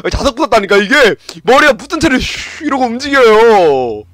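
A man giving loud, yelping gameplay commentary as a game streamer, shouting quick repeated commands and laughing often. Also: very high-pitched, big pitch swings, no echo.

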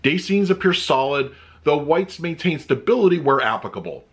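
In a home room lined with shelves of discs, a thirtysomething man reviews a movie disc in a slightly high, sing-song voice at normal speed. He starts with loose chatter and then reads a written review aloud.

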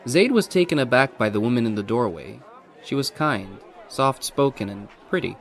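A man narrating a historical audio drama in a measured, scripted way. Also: mid-range voice, big pitch swings, a faint crowd.

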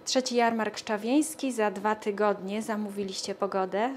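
A woman's voice: mid-range voice, fairly even intonation, moderate pace, a little hiss or hum. A woman asks questions as a television interviewer in a studio. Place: TV studio, seated at a glass desk.

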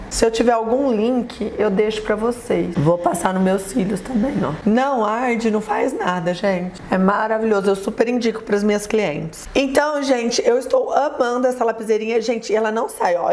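A Brazilian woman in her thirties with a hoarse, thin reedy voice, chatting casually through a makeup tutorial. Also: a little high, a little mellow, slight background noise. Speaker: beauty vlogger. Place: small indoor room.

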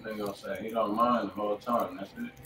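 A man's voice: fairly low pitch, steady tone, fast, sharp tone. Distant, echoey American man on a stream. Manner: slangy, blunt. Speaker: music review show co-host. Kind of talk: casual livestream commentary. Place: indoor home studio. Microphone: distant from the speaker. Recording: echoey, distant, noisy studio room.

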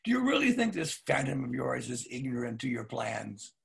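A domineering older brother in a stage drama, acted by a middle-aged man. His voice is rough and deeply creaky, with lively swings in pitch. He speaks to control and command. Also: normal speed, full character voice. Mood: cold, confronting. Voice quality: gravelly, husky. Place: book-lined room at home. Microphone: computer mic on video call.

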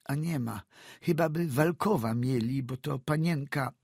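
A man's voice: mid-range voice, measured pace, vocal fry, a little mellow, husky, no room sound, clean studio sound, voice pushed up. A man voicing a frail, frightened old peasant woman who stammers in village speech. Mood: flustered.

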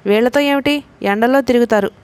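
A woman reading a novel aloud, voicing a middle-aged father who gently scolds his daughter. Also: a little high, quick pace, natural voice. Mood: reproving. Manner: gently reproving.

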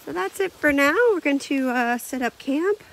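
A woman's voice: high-pitched, normal speed, creaky, poor audio. A woman giving a casual, chatty camping vlog tour outdoors, with easy laughs and lots of fillers. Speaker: camping vlogger. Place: outdoors at a lakeside forest campsite.

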